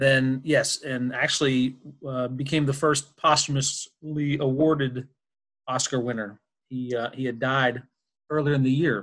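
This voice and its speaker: A man's medium-pitched voice with an American accent, monotone and flat, broken by long, frequent pauses. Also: fairly slow pace. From US, Kentucky. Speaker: podcast co-host, film fan. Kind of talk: casual chat.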